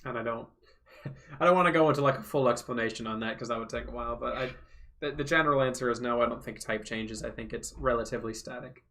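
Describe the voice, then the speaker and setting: Man, home livestream host, bright tone, medium pitch, rambling, lots of fillers, voice getting hoarse. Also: fast talker. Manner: rambling, filler-heavy, thinks aloud. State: voice going hoarse from long talking. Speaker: channel host answering viewer questions. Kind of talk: casual livestream Q&A. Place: home room.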